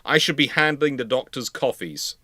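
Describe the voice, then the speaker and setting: A man's voice: mid-range voice, lively intonation, normal speed, bright, forceful tone, no echo, clean studio sound. A man hosting a casual live panel chat, talking in an emphatic, repetitive way. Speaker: livestream host.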